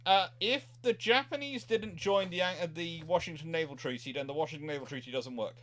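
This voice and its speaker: A man's voice: a little high, fairly quick, a bit bright. A man hosting a casual live history question session, rambling and often repeating himself as he goes. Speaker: naval history livestream host.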